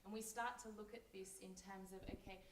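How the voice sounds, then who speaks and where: A woman therapist on a forum panel explaining her work in a clear, counselling way on a handheld mic. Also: mid-range voice, fairly even intonation, fairly quick, a little hiss or hum. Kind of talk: panel discussion. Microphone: handheld microphone.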